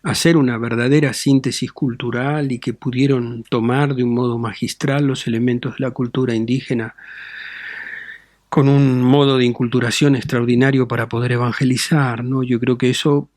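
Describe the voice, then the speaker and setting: A middle-aged man speaks as a bishop in an interview, calm and deliberate, often ending phrases with a questioning tag. His voice sits at an ordinary pitch and is recorded dry and close. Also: no echo. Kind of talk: measured interview answers.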